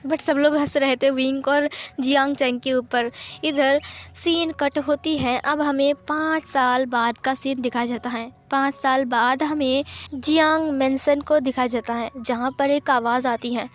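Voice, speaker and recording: A woman with a high voice retells a fan-fiction romance as a storyteller. Her narration is plain and flowing. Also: fairly even intonation, unhurried.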